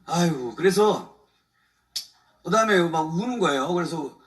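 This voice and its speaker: At a church evening service, a lawyer gives an animated, colloquial testimony to the congregation, recounting his grievances and chuckling often. His voice sits on the high side and is expressive, with a slightly slow delivery. He was recorded from a distance.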